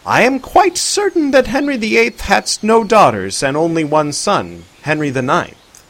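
A jovial man who speaks in mock-archaic English, as a narrator puts him on. He talks high and loud, with lively swings in pitch. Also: a little slow, heavily acted. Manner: mock-archaic speech, laughing.

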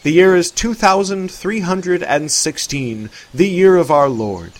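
A man's voice: high-pitched, animated, unhurried, voice pushed up, rough recording. A man voicing a jovial clone man who speaks in mock-archaic English. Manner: mock-archaic speech, laughing.

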